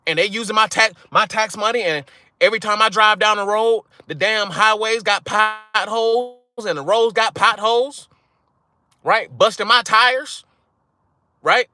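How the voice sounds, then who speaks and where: A man's voice: sits high, measured pace, bright, forceful tone. A young man, talking straight to his viewers in a casual monologue. He is blunt and profane, and he keeps asking "right?" to drive his points home. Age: young adult. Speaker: channel host.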